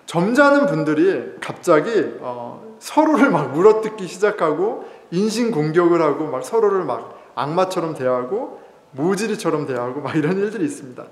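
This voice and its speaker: A male pastor preaches in a church sanctuary, his fairly high voice very animated and at a moderate pace. He tells stories conversationally, with fillers and chuckles, and the hall adds echoey reverb.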